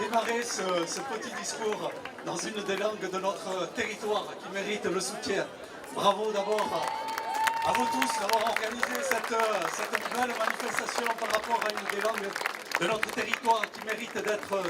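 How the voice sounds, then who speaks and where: A man giving a formal public speech as a local official, measured and pausing between short phrases. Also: high voice. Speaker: local authority president, official speaker. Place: public event with crowd. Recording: distant PA microphone, noisy crowd.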